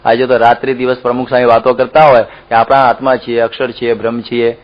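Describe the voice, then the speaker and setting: A man's voice: mid-range voice, flat delivery, fast, lo-fi sound. A man giving a religious discourse as a preacher, telling stories with acted-out quotes and laughs.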